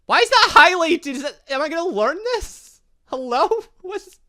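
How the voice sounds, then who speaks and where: A man hosts a video game playthrough with a bright, forward voice. His pitch jumps around in a very lively way. He rambles playfully and breaks into exclamatory asides as he comments. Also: normal speed. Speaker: gaming channel host. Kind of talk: excitable let's-play commentary, reading dialogue aloud.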